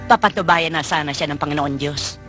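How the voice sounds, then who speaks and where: A woman's voice: sits low, brisk, lightly acted. An actress playing an emotional, pious old grandmother in a 1980s Filipino action film, with a Filipino accent. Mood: worried. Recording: old film soundtrack with loud music.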